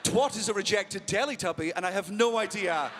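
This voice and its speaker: A man doing loud, brash stand-up comedy for a live crowd, swearing heavily and breaking into shouts. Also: high voice, a little fast, slight background noise. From Britain.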